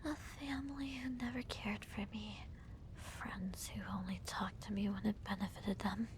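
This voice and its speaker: A woman playing a smug, theatrical villainess who gloats to her hero in a soft, breathy, deliberate whisper, as an ASMR roleplay. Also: medium pitch, noisy background, close to an everyday voice. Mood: bitter, cold. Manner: slow, deliberate, teasing, theatrical.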